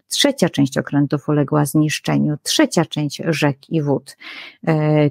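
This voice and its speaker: A woman biblical scholar explaining scripture in lively conversation, often using fillers and acting out quoted lines. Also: sits low, vocal fry, no echo, studio quality. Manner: animated, frequent fillers, acts out quoted voices.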